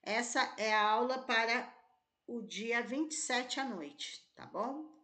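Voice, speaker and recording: A woman's voice: a little high, slow pace, pushed and bright. A woman teacher with a Brazilian accent, reading exam questions aloud and thinking through the answers, often checking in with her class. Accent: Brazilian Portuguese. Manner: thinks aloud, rechecks answers, tags lines with "né?" and "tá?". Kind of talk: exam-prep lesson, reading and solving test questions.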